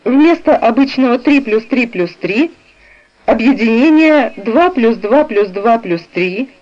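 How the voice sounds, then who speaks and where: A woman reading a music theory textbook aloud in a slow, measured way, describing the notation on the page. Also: fairly high pitch, lively intonation. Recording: dull, lo-fi recording.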